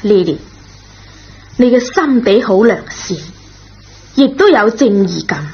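Patient, gentle schoolteacher, lo-fi. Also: female voice, on the high side, big pitch swings, breathy edge, exaggerated voice. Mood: calm, relieved. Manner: gentle, measured, reassuring. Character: kind, forgiving, patient female schoolteacher, a parent. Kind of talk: Cantonese radio drama acting. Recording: dull, noisy old radio recording.

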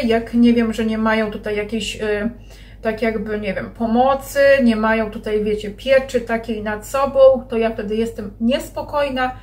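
A mother in her thirties chatting casually to camera in a family vlog, rambling and talking straight to her viewers. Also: on the high side.

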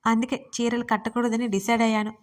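A woman's voice: on the high side, level tone, fast, close to an everyday voice. A woman voicing a sulky, defiant young wife who talks in a pouting, indignant way.

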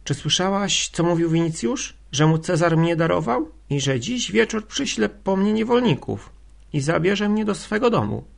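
A man's voice: mid-range voice, big pitch swings, moderate pace, creaky, few pauses, darkish tone, breathy edge, full character voice. A man voicing a young Christian woman who pleads in despair, in an audiobook reading. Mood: desperate.

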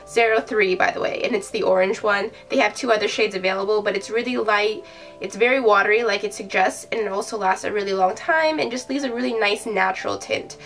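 A young beauty vlogger, nasal from a cold, chats casually and enthusiastically with many fillers while reviewing beauty products. Her voice is medium-pitched and a bit bright, heard from a distance with faint music behind it.

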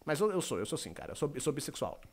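A man's voice: fairly high pitch, sing-song, rapid-fire. A young man from Brazil with a Brazilian Portuguese accent, chatting playfully on a live stream while gaming and reading his chat aloud. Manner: playful, joking, reads chat aloud, rambling.

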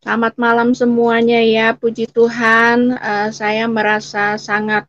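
A woman, giving a personal testimony haltingly, repeating words and breaking off mid-word. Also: a little high, monotone, a bit bright, dull audio. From Selat Panjang, Riau, Indonesia. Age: late 40s. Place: indoor room, seated, on a video call.

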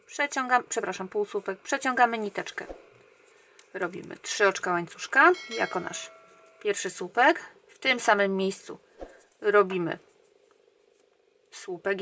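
Slow, calm woman counting crochet stitches. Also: medium pitch, a little hiss or hum. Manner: calm, counting stitches aloud, often trailing off quietly. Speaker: crochet tutorial host. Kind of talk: step-by-step crochet instruction.

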